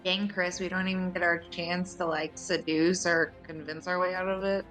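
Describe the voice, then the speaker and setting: A woman's voice: fairly low pitch, little pitch movement, normal speed, fairly bright tone, soft background music. A woman chatting casually as a player in a tabletop roleplaying game.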